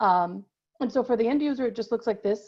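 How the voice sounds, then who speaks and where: Her pitch fairly high and varying in an ordinary way, a woman talks at a very fast pace. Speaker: legal aid technology presenter. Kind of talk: webinar presentation.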